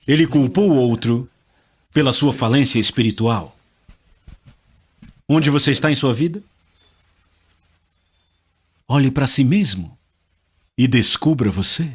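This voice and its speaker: Animated male preacher, sweeping pitch. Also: slightly rough. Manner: animated, dramatic, acts out Bible characters. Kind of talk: sermon.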